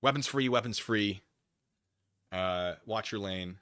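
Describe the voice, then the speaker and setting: A man's voice: on the low side, slow pace, a bit bright, clear, resonant tone, no echo, studio quality. A man hosting a livestream in casual chat, rambling wryly as he reads and answers viewers and acts out imagined exchanges.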